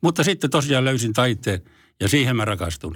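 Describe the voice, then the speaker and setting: An ordinary speaking voice from a man, fairly quick and with lively intonation, on a very clean recording with a silent background. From Forssa, Tavastia, Finland. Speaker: former art forger and card sharp. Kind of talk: interview.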